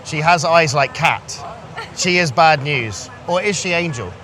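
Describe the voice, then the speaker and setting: Teasing Londoner over clear street noise. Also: male voice, on the high side, unhurried. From London, England. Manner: teasing, simplified broken English for a non-native listener. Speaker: dating coach chatting up women in public. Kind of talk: playful flirty chat. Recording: noisy outdoor street ambience with traffic. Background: traffic and urban noise.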